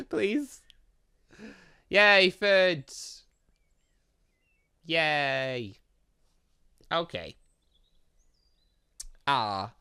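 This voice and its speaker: A man giving animated let's play commentary on a video game, reading dialogue aloud and adding sarcastic asides. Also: a little high, drawn-out words, pauses often, smooth. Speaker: gaming channel host.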